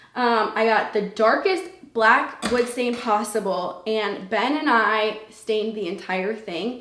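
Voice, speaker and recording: A woman with a Wisconsin accent speaks very slowly at a fairly high pitch with ordinary pitch variation, over noticeable background noise and audible room echo. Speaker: home decor vlogger. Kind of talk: home tour vlog. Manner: animated.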